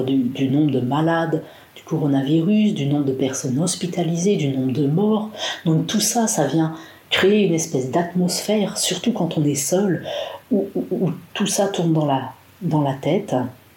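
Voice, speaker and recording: A woman's very deep, low voice with lively intonation, a fairly slow pace, long and frequent pauses, and audible room echo. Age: 40s. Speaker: protestant pastor. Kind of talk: testimony. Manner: halting.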